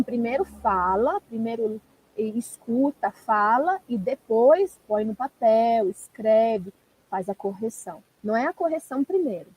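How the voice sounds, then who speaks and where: A woman's voice: fairly high pitch, a little mellow, breathy edge, poor audio. A woman, a language teacher giving encouraging, direct advice in a live-stream coaching talk.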